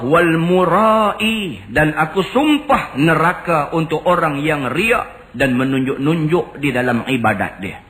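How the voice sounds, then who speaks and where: A male preacher, chanting Arabic phrases slowly and emphatically before moving into plain storytelling. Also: a little high, fairly bright tone, low-quality recording. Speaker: religious preacher. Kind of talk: sermon.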